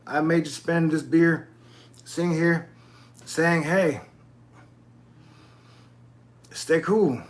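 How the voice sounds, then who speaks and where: Rambling man in his forties, higher voice. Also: steady tone, slow. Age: 40s. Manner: loose, digressive, swears casually. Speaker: YouTube channel host. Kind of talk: casual rambling monologue.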